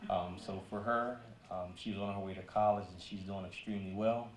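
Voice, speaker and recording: A man's voice: lowish voice, fairly even intonation, fairly quick. A man who is a school principal gives a conversational speech at a ceremony, with many fillers. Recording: echoey hall.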